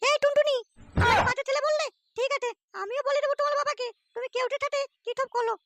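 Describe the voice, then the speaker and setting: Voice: very high voice, steady tone, fast talker, a bit bright. An actor voicing a cheeky, boastful, foul-mouthed little boy with childish lisping pronunciation in a comedy cartoon. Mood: indignant, threatening. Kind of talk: comic cartoon dialogue.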